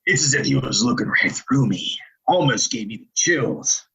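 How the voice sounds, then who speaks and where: An actor playing a cruel, dying outlaw in a Western audio play, taunting in a folksy drawl with a gravelly rasp. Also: male voice, mid-range voice, animated, moderate pace, sharp tone, exaggerated voice, low-quality recording. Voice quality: raspy, gravelly. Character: dying sadistic male Old West outlaw, taunting and remorseless.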